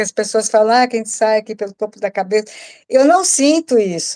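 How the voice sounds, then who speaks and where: A woman's lively intonation comes through with a dry, close sound and no echo. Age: 60s. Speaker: spiritual workshop co-host. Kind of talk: live online class conversation. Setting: YouTube livestream. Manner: halting, with many fillers and repetitions.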